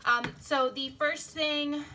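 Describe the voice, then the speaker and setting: Young woman, vlogger, rambly and self-interrupting, a bit worn-out voice, higher pitch, bright and clear. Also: fairly even intonation, slow pace, a little hiss or hum. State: early-morning tired, voice slightly strained. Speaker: planner vlogger and sticker shop owner. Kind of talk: casual plan-with-me chat. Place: home craft desk, indoors. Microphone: phone camera overhead. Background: printers running.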